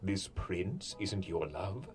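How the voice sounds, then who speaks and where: A woman's voice: very deep voice, sing-song, slow, darkish tone, soft background music, full character voice. A woman voicing a sly, teasing male trickster of chaos in a cartoon, sardonic and theatrical. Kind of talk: dramatized cartoon parody dialogue.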